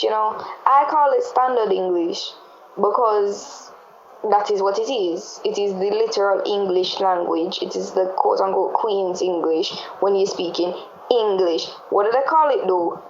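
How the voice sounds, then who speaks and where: A woman's voice: medium pitch, measured pace. A woman with a Jamaican accent discussing and explaining in insistent, conversational Jamaican English. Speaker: podcast host. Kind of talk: casual discussion. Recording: echoey, dull lo-fi room with faint noise.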